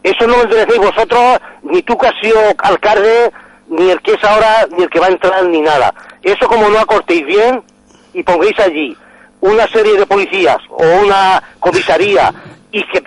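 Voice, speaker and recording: A man's voice: high voice, a little fast, dry recording. Insistent man in his fifties over the phone. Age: 50s. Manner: insistent, cuts in with repeated "no". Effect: heard over a phone line. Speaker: radio caller. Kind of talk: call-in complaint.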